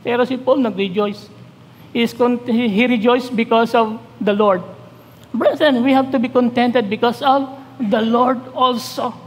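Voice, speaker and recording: A man with a Filipino accent preaching a sermon as pastor, reading verses slowly and then putting questions to the congregation. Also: very high voice. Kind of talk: Taglish sermon. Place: church. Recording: long church-hall reverb.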